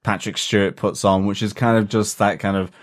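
A man with a fairly low voice co-hosts a laid-back TV-review podcast. He muses in a relaxed way, often pausing on ums and uhs as he gathers his thoughts. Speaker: podcast co-host. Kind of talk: casual chat reviewing a TV episode.

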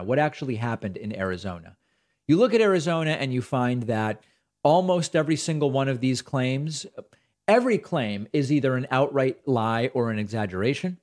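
A middle-aged man from the United States hosts a political commentary show with a sarcastic, exasperated edge. His voice sits at an ordinary middle pitch, and his talk runs loose and conversational, with asides and flat put-downs. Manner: sarcastic, exasperated, reads quotes aloud with emphasis.

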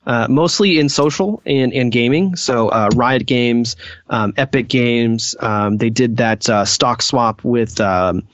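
A man's voice: medium pitch, slow pace, dry recording, highs cut off. A man speaking casually as an interview guest, hesitant and often searching for words. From United States. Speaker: podcast guest.

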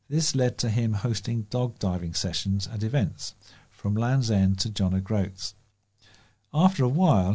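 A man's voice: medium pitch, darkish tone. A man reading local news stories aloud as a volunteer reader.

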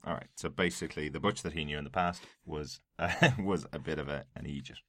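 A man's voice: a bass voice, fairly quick, a bit bright, dry recording, studio quality. An Irishman co-hosting a podcast, chatting casually and prompting his co-host with questions.

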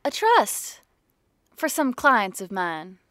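A woman's voice: fairly high pitch, huge pitch swings, takes it slowly, fairly bright tone, no room sound, clean studio sound, full character voice. Woman putting on a sugary fake phone voice. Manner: over-sweet, sing-song phone voice. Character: fake-polite woman posing as an estate agent.

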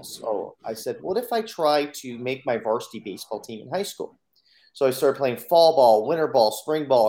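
A man's voice: mid-range voice, darkish tone. Earnest man telling his life story. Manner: earnest, acts out his own inner voice in quotes. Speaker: podcast guest. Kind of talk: personal storytelling.

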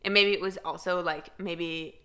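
A woman's voice: on the low side, fairly even intonation, normal speed, a bit bright. A woman in her twenties with an American accent, chatting casually on a podcast with lots of fillers and easy laughter. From United States. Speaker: podcast co-host. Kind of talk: casual chat.

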